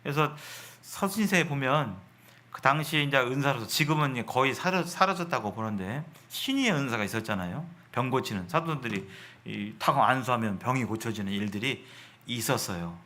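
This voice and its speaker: A man's voice: mid-range voice, expressive, normal speed, pushed and bright. A man preaching to a congregation in an explanatory way, often repeating phrases and putting rhetorical questions to his listeners. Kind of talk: sermon to a congregation.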